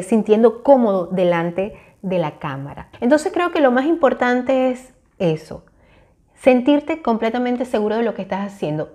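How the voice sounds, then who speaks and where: Speaking directly to the camera, a woman from Venezuela in her forties chats casually for her YouTube audience, recorded on a lapel mic in a small room. She sounds warm, mellow, and medium-pitched, earnest and encouraging, pausing with hesitant fillers as she gathers her thoughts.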